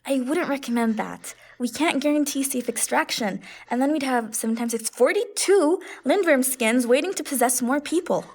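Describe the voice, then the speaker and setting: A woman's voice: sits high, animated, normal speed, few pauses, a little mellow. A woman playing a practical, wry young female adventurer in an audio comedy drama. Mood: concerned. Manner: wry, no-nonsense. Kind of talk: audio fiction comedy acting.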